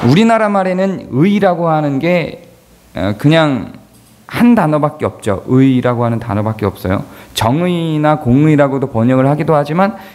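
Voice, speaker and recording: A man's fairly high voice with very wide pitch swings, a moderate pace and noticeable background noise. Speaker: pastor. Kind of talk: sermon.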